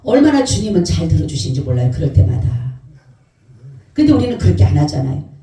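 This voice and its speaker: A pastor preaching an Easter sermon in a church, lively and questioning the congregation. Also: medium pitch, quick pace, gravelly. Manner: animated, asks the congregation questions. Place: church sanctuary. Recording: very echoey church hall, mic far off.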